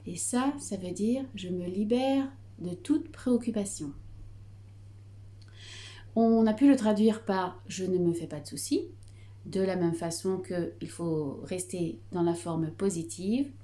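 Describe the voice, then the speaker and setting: A middle-aged woman with a Breton French accent, teaching Reiki calmly with frequent hesitations and fillers. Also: on the low side, slow. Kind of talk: explanatory video lesson.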